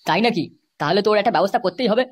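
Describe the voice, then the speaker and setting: A performer voicing a flirtatious, boastful village lover in a comedy cartoon, theatrical and husky, with a West Bengal accent. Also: medium pitch, lively intonation, rapid-fire, very noisy, close to an everyday voice. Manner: theatrical sweet-talking. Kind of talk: amateur comedy cartoon dialogue.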